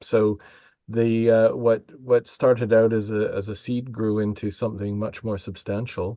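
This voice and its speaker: Speaking fairly slowly, this man has a fairly low pitch. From Canada (Winnipeg, Manitoba). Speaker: Orthodox priest. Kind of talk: interview conversation.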